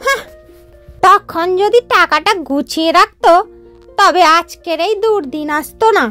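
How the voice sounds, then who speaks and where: A woman's voice: very high-pitched, unhurried, sharp tone, soft background music, heavily acted. A woman voicing a complaining, scornful wife in a cartoon. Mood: grumbling. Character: fussy, grumbling wife of a stingy man. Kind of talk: cartoon voice acting.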